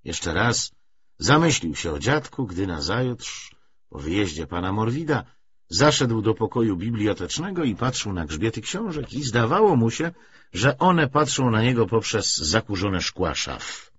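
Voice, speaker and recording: A man reading literary prose aloud as an audiobook narrator, with a husky voice. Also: lowish voice, sing-song, unhurried, a bit bright, highs cut off, slight background noise.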